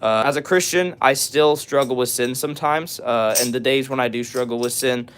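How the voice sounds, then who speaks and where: A raspy young man hosting a live stream, reading viewer messages aloud and answering them in casual talk with lots of "all right" and "uh". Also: mid-range voice, steady tone, normal speed, slight background noise. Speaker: livestream host.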